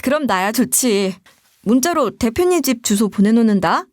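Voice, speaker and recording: An easygoing husband chats plainly with his wife, read by a woman narrator. The voice sits fairly high and sounds close and dry. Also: animated, moderate pace, a little mellow, dry recording, lightly acted. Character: casual cheerful husband, office worker.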